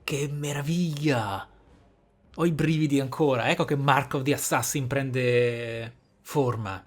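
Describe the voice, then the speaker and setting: A man's voice: medium pitch, a little slow. An Italian man giving casual Let's Play commentary with reactive, exclamatory asides. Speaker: video game streamer. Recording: game music behind the voice. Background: video game music and dialogue.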